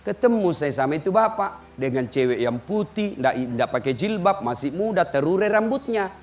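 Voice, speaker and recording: High-voiced preacher telling jokes. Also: male voice, moderate pace. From Indonesia. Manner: lively storytelling with mimicked voices and shouted questions. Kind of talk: humorous sermon.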